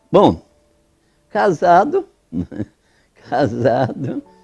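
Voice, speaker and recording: A man speaks with music in the background. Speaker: former communist militant. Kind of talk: life-story interview answer.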